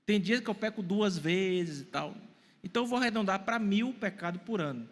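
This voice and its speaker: A man's voice: sits high, animated, moderate pace, in a large hall. A man in his forties preaching a sermon to a congregation, putting questions to them and answering them himself. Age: 40s. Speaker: pastor. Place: church hall.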